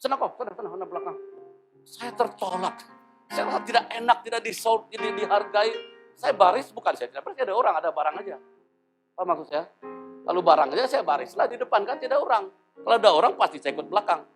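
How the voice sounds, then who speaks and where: High-voiced man in his fifties preaching. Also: fast talker, music in the background. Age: 50s. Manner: animated storytelling, acting out dialogue. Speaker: pastor. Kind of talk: sermon.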